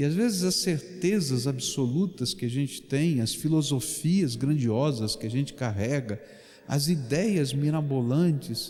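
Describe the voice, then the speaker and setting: Amid audible room echo and music in the background, a man with a Brazilian accent speaks at a fairly slow pace in a fairly high pitch. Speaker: pastor. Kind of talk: sermon. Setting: church.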